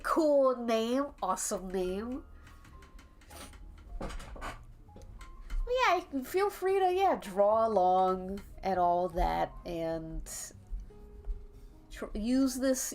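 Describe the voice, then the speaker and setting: A young woman with a congested, stuffy nose, chatting casually and rambling to her chat while she draws, laughing often. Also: on the high side. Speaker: art streamer. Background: faint calming jazz music.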